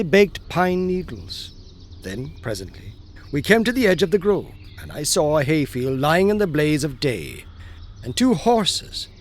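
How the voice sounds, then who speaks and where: A man narrating an old ghost story for an audiobook, with a slightly higher than usual voice and an unhurried, atmospheric delivery. A faint hiss of noise sits under his reading. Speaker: audiobook narrator and horror author.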